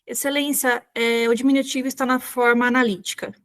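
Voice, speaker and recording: A woman's voice: fairly high pitch, level tone, fairly quick. Hesitant Brazilian woman exam candidate. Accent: Brazilian Portuguese. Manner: polite and hesitant, many fillers, addresses the examiner as "Excelência". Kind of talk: formal oral exam answers.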